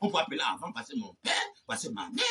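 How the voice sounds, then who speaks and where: A man preaching a fervent sermon, often shouting and repeating refrains between phrases. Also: mid-range voice, very animated, fast, distant mic. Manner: shouting, repeating "eh ben" and "amen".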